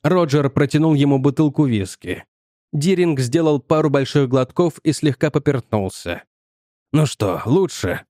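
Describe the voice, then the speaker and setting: A man narrating an audiobook in a measured storytelling manner. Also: on the high side, warm tone, no room sound, studio quality. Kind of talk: scripted narration.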